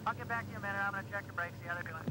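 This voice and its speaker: A man's voice: high-pitched, steady tone, very fast. An actor playing a male trucker who loses his brakes on a mountain road, talking over a CB radio. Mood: calm. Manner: folksy, tense radio chatter. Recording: loud truck engine noise.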